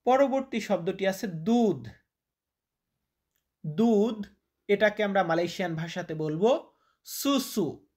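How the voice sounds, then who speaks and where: A man's voice: sits high, animated, slow, long pauses, a little mellow. A man teaching vocabulary, repeating each word and quizzing the listener. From Bangladesh. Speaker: language teacher. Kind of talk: vocabulary lesson.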